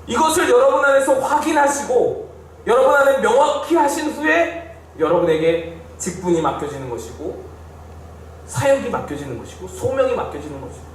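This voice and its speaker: A man's voice: very high-pitched, very animated, brisk. A male pastor giving an emphatic Bible study sermon, repeating phrases and asking the congregation questions. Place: church hall. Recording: very echoey hall, distant mic, faint hiss.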